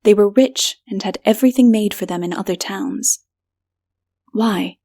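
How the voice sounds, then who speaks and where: A woman's voice: mid-range voice, a little fast, creaky, warm tone. A woman reading a story aloud as dramatic, scripted audiobook narration.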